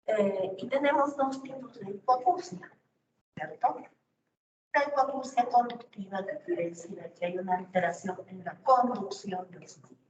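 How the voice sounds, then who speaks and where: A woman's voice: mid-range voice, a little slow. A woman giving a university lecture, explaining step by step and often checking in with rhetorical questions. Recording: distant, roomy, dull lo-fi recording with faint noise.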